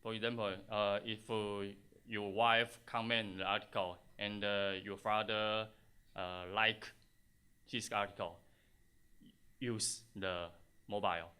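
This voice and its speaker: Slow, halting Taiwanese-accented man presenting. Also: lowish voice, little pitch movement, bright, forceful tone, smooth. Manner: halting, hesitant delivery in non-native English with frequent pauses. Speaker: conference speaker, software test engineer. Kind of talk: conference tech presentation.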